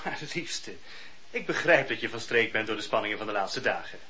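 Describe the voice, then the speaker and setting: A man's voice: on the low side, lively intonation, fairly quick, sharp tone. An actor playing a pompous, middle-aged chief judge with gout, patronizing his wife in a radio play. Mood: condescending. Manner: smooth, patronizing, groaning in pain. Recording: dull lo-fi radio recording.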